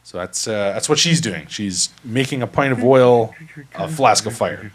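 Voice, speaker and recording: A man's voice: mid-range voice, animated, measured pace, crowd noise. A man running a tabletop game as game master, describing the scene methodically. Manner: methodical, explanatory.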